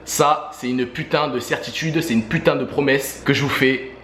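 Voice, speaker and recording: A man's voice: mid-range voice, moderate pace, fairly bright tone. A man talking casually to his viewers between sets of push-ups, urging them on like friends in a fitness challenge video. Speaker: YouTuber doing a fitness challenge. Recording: echoey room with faint background noise.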